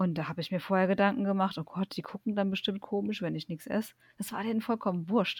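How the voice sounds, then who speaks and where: A woman talks very fast at medium pitch, somewhat breathy with fairly even intonation, in a very clean, dry, close recording with no echo and a silent background. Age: 30s. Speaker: coaching client. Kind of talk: interview.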